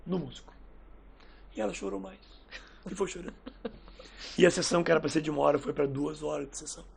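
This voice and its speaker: With a gravelly, high-leaning voice and a quick pace, this podcast host chats casually and spins stories, performing each quoted line of dialogue with energy. There's slight background noise.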